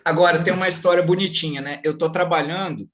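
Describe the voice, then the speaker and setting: Blunt, profane man, high voice. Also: quick pace. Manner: blunt and profane, animated storytelling. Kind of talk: casual panel conversation.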